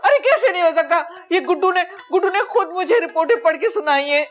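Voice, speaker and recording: A high-pitched, theatrical old mother, a bossy hypochondriac who wails and groans over every ache. She speaks with a Pakistani Urdu accent, and soft music plays faintly behind her. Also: expressive, fast. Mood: panicked. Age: older. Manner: wailing, theatrical complaining. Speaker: ailing mother-in-law. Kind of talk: sitcom acting.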